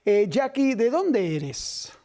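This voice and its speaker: A man hosts a Christian television talk program, speaking at an unhurried pace. His voice is mellow and dark. He asks his guest questions gently, pausing and hesitating now and then. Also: very high-pitched, very animated. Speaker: talk show host. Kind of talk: Christian TV interview.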